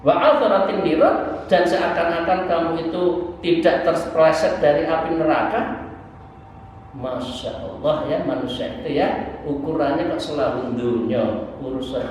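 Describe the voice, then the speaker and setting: A man's voice: fairly high pitch, unhurried, a little mellow. Javanese-accented older male preacher in echoey hall. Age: 60s. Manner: conversational, exhortative, with rhetorical asides and repeated tags. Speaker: Islamic preacher and Sufi teacher. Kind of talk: sermon, informal religious lesson explaining a book. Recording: very echoey hall, distant mic, faint noise.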